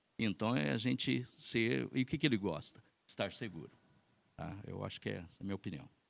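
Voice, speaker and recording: A man with a Minas Gerais accent talks at a fairly quick pace in a fairly low voice with vocal fry. His pitch swings very widely. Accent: Minas Gerais accent, noticeable. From Minas Gerais, Brazil. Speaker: fraud prevention specialist, panelist. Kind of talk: panel discussion.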